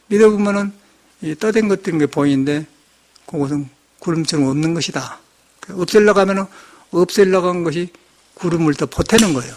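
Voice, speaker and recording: Older male monk, slight Jeolla accent, fairly high voice, folksy storytelling sermon. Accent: slight Jeolla Korean. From Jeolla region, Korea. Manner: folksy storytelling, chuckles, acts out quoted speech. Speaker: Buddhist monk giving a dharma talk.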